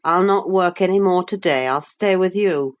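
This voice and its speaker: A woman reading aloud who voices a sullen, resentful young man in a low, unhurried voice close to her own. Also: natural voice.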